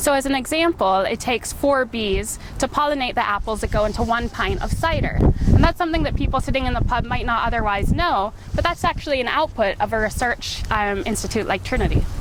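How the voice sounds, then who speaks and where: With an American accent, a woman talks at a very fast pace in a high pitch with lively intonation, over noticeable background noise. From US, Pittsburgh. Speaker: PhD student researcher. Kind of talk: casual talk to camera.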